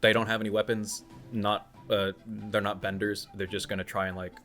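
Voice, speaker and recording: A man with a fairly low voice runs a tabletop game as its game master. He improvises his narration in a halting, conversational way, thinking aloud, with light music playing behind him. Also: level tone, a bit bright.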